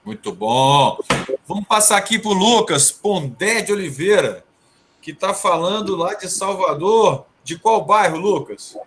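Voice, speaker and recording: A man's voice: high voice, animated, unhurried, a bit bright. A man with a Brazilian accent hosting a casual interview in an informal, bantering way. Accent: Brazilian Portuguese. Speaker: interview host. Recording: faint background noise.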